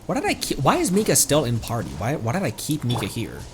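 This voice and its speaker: A man's voice: medium pitch, wildly swooping pitch, quick pace, noisy background. A man giving casual, playful live commentary as he plays a video game, mimicking game lines now and then. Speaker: streamer playing a video game. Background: game music.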